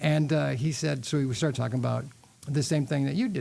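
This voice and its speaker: Somewhat breathy and dark, mellow in tone, a man speaks at a fairly quick pace with a fairly high pitch. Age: 60s. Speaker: exercise physiologist. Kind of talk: casual chat. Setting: studio. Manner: animated.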